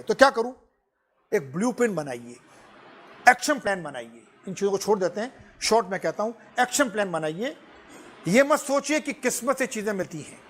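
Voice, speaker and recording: Man, high voice, middle-aged, animated lecturer, chuckles often, mixes in English phrases. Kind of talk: motivational lecture to students.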